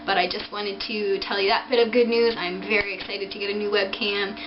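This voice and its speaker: A woman vlogger talking casually and haltingly to her webcam, with drawn-out, hissing s sounds like a lisp. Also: medium pitch, little pitch movement. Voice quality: lisping, hissy drawn-out s sounds. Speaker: video blogger. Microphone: webcam microphone. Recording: noisy dull webcam audio, hissing sibilance.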